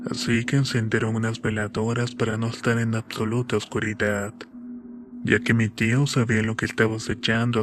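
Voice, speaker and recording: A man reading a horror story as scripted narration in a steady storytelling manner. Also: lowish voice. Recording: clear ambient background noise.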